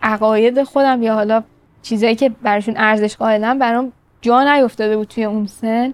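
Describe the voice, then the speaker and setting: At a fairly quick pace, a woman with a fairly high voice speaks in a monotone with flat intonation. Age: young. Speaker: university student. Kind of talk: interview.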